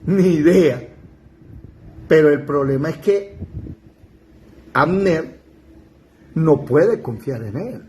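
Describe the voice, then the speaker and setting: A man's voice: fairly high pitch, expressive, slow pace, long pauses, warm tone, a little hiss or hum. A man leading a live Bible study, explaining verses in casual paraphrase and correcting a reader's pronunciation. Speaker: Bible teacher.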